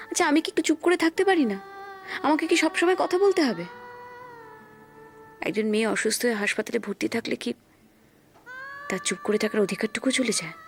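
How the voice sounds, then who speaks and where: A woman's voice: a little high, natural voice. A woman playing a brooding hospital patient. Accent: Bengali. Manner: quiet, subdued, melancholy speech. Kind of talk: TV serial drama acting.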